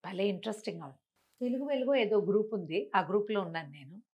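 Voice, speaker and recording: A woman telling devotional stories conversationally, in an expressive, emphatic way that repeats phrases for effect. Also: medium pitch, quick pace, breathy edge, dull audio. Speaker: storyteller and talk show guest.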